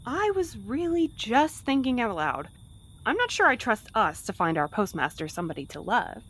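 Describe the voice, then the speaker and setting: A caring, playfully teasing woman courier in an audio drama, voiced by an actress. Her voice is fairly high and swings widely in pitch, expressive and solicitous in natural conversational banter. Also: normal speed, slightly rough, heavily acted. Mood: curious. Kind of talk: fiction podcast acting, naturalistic banter.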